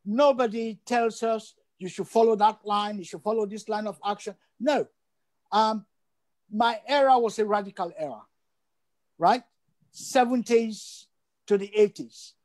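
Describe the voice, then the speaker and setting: A man's voice: high-pitched, unhurried, a little mellow. An older man from Sierra Leone, a guest on a video call interview, speaking emphatically and repeating phrases for stress. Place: indoor room at home.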